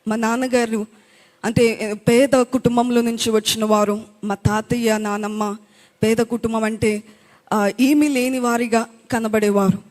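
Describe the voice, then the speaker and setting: A woman's voice: a little high, level tone, a little slow, darkish tone. A woman earnestly telling her testimony at a church youth event. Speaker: speaker giving testimony. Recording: long hall reverb.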